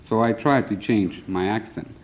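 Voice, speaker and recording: A man in his thirties from Puerto Rico reading his own poems at a conference, earnest and plain, a little nervous. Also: fairly low pitch. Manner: earnest, plain, measured delivery with short line breaks. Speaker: poet reading his work. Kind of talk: live poetry reading. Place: conference hall.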